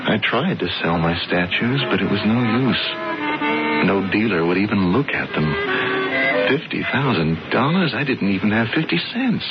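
Impassioned young-hearted sculptor, muffled old radio. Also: male voice, fairly low pitch, sing-song, moderate pace. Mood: wistful storytelling. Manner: earnest, dramatic, emphatic. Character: impassioned, stubborn American sculptor, once a penniless art student. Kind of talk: 1970s radio drama acting. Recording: muffled radio broadcast with music behind.

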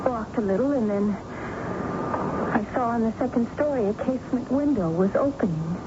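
Actress as high-voiced, haunted young woman. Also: normal speed, lightly acted. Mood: haunted recollection. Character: frightened, impressionable young daughter haunted by a murder. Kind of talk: 1970s radio drama acting. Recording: dull, noisy old radio broadcast.

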